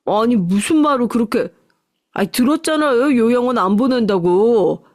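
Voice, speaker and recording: A woman's voice: fairly high pitch, lively intonation, normal speed, a little mellow, lightly acted. A woman voicing a frustrated young husband who pleads with his mother-in-law in a radio story reading. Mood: exasperated. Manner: exasperated, pleading.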